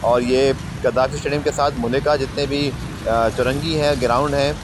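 A man's voice: medium pitch, fairly even intonation, normal speed, background noise. A man with a Pakistani Urdu accent, talking casually and eagerly to his viewers as a sports journalist vlogger, often calling them janab. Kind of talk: casual commentary over outdoor footage.

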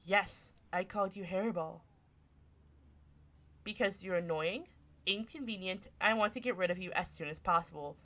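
A woman's voice: medium pitch, moderate pace, long pauses, pushed and bright, lightly acted. A voice actress playing a grumpy tsundere young woman turned half cat, snappy, sarcastic and easily flustered, in a one-sided ASMR roleplay. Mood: irritated, dismissive. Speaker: voice actor.

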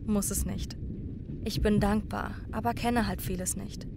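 A woman's voice: fairly even intonation, a little slow, creaky. A young actress playing a sheltered young woman on a night train, candid and lightly teasing. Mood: confiding. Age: young adult. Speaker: passenger in a radio crime play. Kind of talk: radio drama acting. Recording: train rumble under dialogue.

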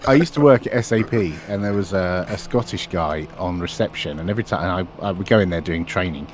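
A man's voice: low voice, fairly quick, slight background noise. A man chatting casually while driving, telling a rambling, self-deprecating story. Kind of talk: casual chat. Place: in a car, driving.

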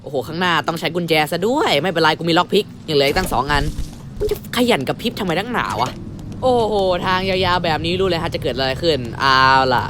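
A young man commentating a horror game playthrough, switching between a mock-polite announcer tone and crude, shouty outbursts. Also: a little high, expressive, fast talker, hardly any pauses, background noise. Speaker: gamer commentating his playthrough. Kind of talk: casual gameplay commentary.

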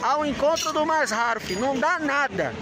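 A man's voice: very high-pitched, animated, normal speed, very noisy. A man hosting a flea market vlog, joking, full of slang, filming on a phone outdoors at a busy street market. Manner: slangy, joking, calls viewers pai and mano. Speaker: channel host.

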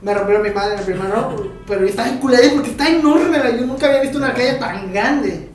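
A man with a Mexican Spanish accent, co-hosting a podcast, reminiscing in a relaxed, slangy way. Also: very high-pitched, quick pace. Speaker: podcast co-host. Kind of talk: casual chat. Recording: very echoey room, far from mic, faint music.

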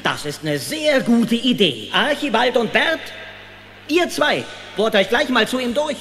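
An actor playing an elderly woodworm patriarch giving solemn speeches in a German children's audio drama. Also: male voice, very high-pitched, sing-song, measured pace, over music, exaggerated voice. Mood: grave urgent. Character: elderly woodworm patriarch addressing his clan. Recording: long hollow reverb.

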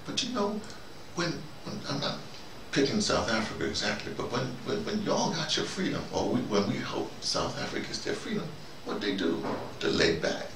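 An older American man giving a rambling, halting conversational monologue, repeating himself and speaking colloquially with emphasis. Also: fairly low pitch, wildly swooping pitch, creaky. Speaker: host, storytelling activist. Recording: noisy, roomy, distant microphone.

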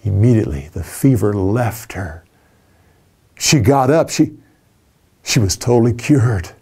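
Older guy in his 60s telling bible stories, slow, swoopy expressive voice, little restarts. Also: lowish voice, breathy edge. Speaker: Bible storyteller. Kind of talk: oral Bible storytelling. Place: indoor studio with a curtain backdrop.

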